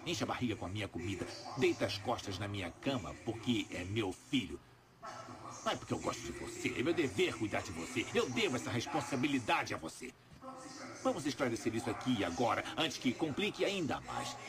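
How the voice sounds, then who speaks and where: A man's voice: medium pitch, background noise, close to an everyday voice. A man dubbing a harsh, stern father. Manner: harsh, lecturing, demanding. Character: stern hardworking father scolding his teenage son. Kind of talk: dubbed film scene.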